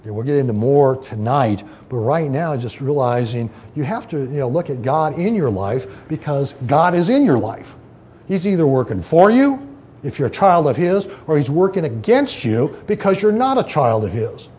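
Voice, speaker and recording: A man's voice: on the high side, big pitch swings, moderate pace, darkish tone, a little hiss or hum. A man preaching, teaching scripture in a loose, conversational way, often breaking off to read a quoted passage aloud. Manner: conversational, many fillers and restarts, reads quotations aloud. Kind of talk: informal Bible teaching.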